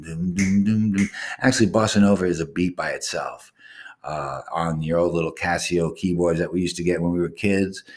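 Casting note: male podcast host with a very low, deep voice, crude and boastful, rambling solo monologue.

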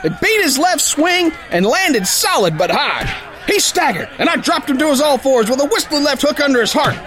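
Very high-pitched, brash brawling sailor. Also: male voice, big pitch swings, normal speed, over music. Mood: excited, forceful. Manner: folksy uneducated tough-guy diction, boisterous, exclamatory. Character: brash, hot-headed, dim-witted brawling male sailor boxer telling his tale. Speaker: audio drama narrator and lead actor. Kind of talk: theatrical first-person pulp story narration.

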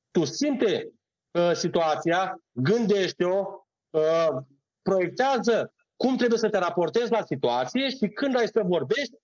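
A man's voice: high-pitched, a little mellow. A man, an acting teacher on a podcast, explaining in a didactic way, listing steps and checking in with his listener. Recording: dull lo-fi sound.

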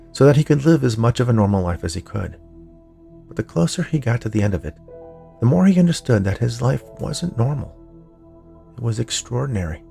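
A man narrating scripted fiction for a podcast in a measured storytelling way. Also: mid-range voice, vocal fry, darkish tone. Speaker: podcast narrator, writer and producer.

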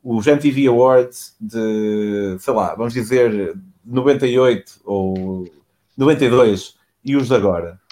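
A man's voice: on the low side, unhurried, dark tone. A middle-aged man with a European Portuguese accent, speaking reflectively in casual chat. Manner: reflective, thoughtful.

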